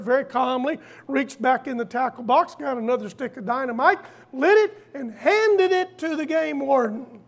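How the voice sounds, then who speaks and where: An older preacher delivering a sermon in a folksy storytelling way, repeating phrases deliberately for emphasis. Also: sits high.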